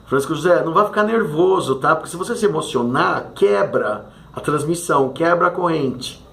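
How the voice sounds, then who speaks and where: A man voicing his late uncle's spirit, who calmly warns him not to get emotional. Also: on the high side, normal speed, creaky. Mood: cautioning. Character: deceased uncle spirit, caring and cautioning.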